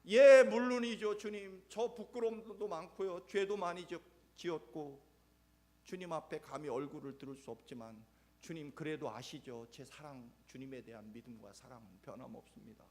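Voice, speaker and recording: A man's voice: mid-range voice, moderate pace, big-room sound, lightly acted. A male pastor voicing Peter as an ashamed, pleading disciple, raising his voice earnestly in a sermon.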